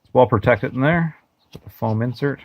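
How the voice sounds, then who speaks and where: A man narrating an unboxing in a plain, matter-of-fact way, pausing now and then. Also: mid-range voice, muffled recording, slight background noise. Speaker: channel host.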